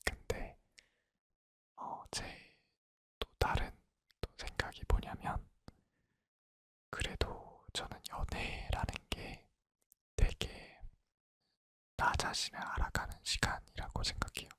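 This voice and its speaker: A man in his twenties whispering a personal story in a soft, intimate, conversational ASMR style. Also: slow, long pauses. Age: 20s. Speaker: ASMR creator.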